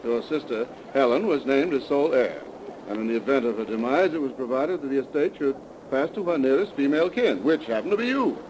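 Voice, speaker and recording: An actor playing a courteous small-town attorney in a 1930s radio drama, speaking formally and precisely on a noisy old broadcast. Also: male voice, mid-range voice, animated, fairly quick, a little mellow, natural voice.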